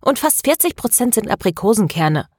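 A woman's voice: mid-range voice, big pitch swings, brisk, a little mellow, breathy edge, no echo, studio quality, voice pushed up. A woman voicing a curious, caring young friend.

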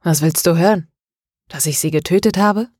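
A woman's voice: on the low side, moderate pace, a little mellow, no echo, studio quality, lightly acted. A woman voicing a deranged captive man who hisses venomous threats, in an audiobook. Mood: threatening. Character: menacing deranged man, tied up, taunting.

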